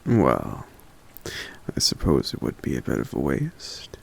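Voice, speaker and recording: Guy doing a soft-spoken shy giant for asmr, super slow and really gravelly, kinda hesitant and polite. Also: wildly swooping pitch, heavily acted. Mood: gentle, caring. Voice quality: very deep, gravelly. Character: gentle, courteous, shy giant living in the forest. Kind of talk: ASMR roleplay, speaking to the listener.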